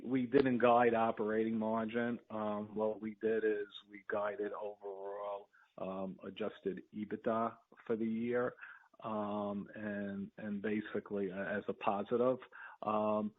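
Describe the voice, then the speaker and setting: Low-pitched male executive on tinny phone line. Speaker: company executive. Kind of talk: answering questions on an earnings conference call.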